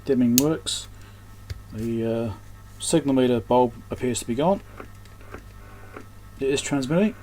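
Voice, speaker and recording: A man's voice: medium pitch, unhurried, long pauses, mellow. Man thinking aloud, noisy background. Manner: muttering, thinking aloud in short fragments. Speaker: electronics repair technician and host. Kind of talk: unscripted hands-on repair commentary. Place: indoors at an electronics repair workbench.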